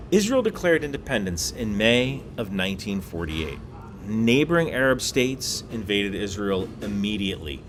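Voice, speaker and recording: A man talks through a casual explainer monologue, his voice swinging lively up and down as he drops wry asides and leans hard on key points. He's recording on a laptop mic while away on a work trip. A faint ambient hum sits under his voice. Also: mid-range voice. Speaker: YouTube explainer host.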